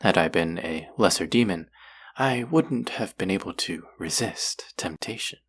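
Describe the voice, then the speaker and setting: Man voicing a deep, husky, gravelly demon. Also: lively intonation, fairly bright tone, exaggerated voice. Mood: hungry, seductive. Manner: formal, slow, deliberate, coaxing. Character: possessive, courtly male demon who hungers for hearts. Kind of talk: scripted roleplay audio drama addressed to the listener.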